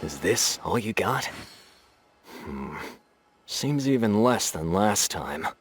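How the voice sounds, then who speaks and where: A man's voice: fairly low pitch, very animated, slow, music in the background. A man voicing an unimpressed male black-market buyer in a video game, grumbling casually.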